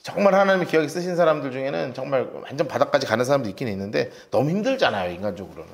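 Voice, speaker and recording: A middle-aged male pastor preaching an expository Bible-study sermon, telling his story in an animated way, acting out shouted cries and telling listeners to mark verses. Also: mid-range voice, rapid-fire, gravelly. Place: church sanctuary.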